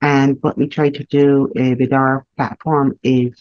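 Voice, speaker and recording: A woman from Barbados, telling her life story as a guest, earnest and reflective with halting restarts. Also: very deep voice, flat delivery, dry recording. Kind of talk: candid personal storytelling. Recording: slightly muffled lo-fi audio.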